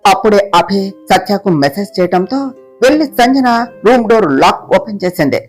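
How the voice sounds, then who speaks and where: A woman storyteller narrating a serial family story in a steady, dramatic way. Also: mid-range voice, fairly quick. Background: faint guitar music.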